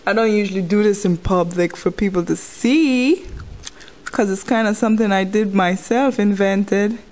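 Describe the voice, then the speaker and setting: A woman's voice: medium pitch, normal speed, a little mellow. Woman chewing gum through a casual tutorial. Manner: chewing gum while talking; informal, conversational, step-by-step instruction. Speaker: nail technician giving a tutorial. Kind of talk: casual hands-on tutorial talk.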